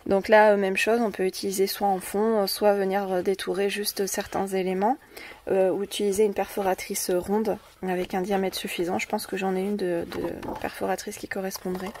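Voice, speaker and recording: In a scrapbooking video, a woman with a French accent and a mid-range, darkish voice does a casual show-and-tell of her craft haul. Her speech is tentative, with plenty of fillers and repeated words, and the distant mic picks up faint noise.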